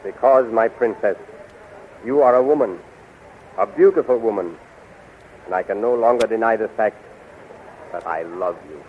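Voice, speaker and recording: An actor playing a chivalrous, lovestruck warrior prince in a 1930s radio serial, earnest and formal, on a tinny old recording. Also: male voice, fairly low pitch, normal speed, long pauses, a little hiss or hum, close to an everyday voice. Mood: ardent.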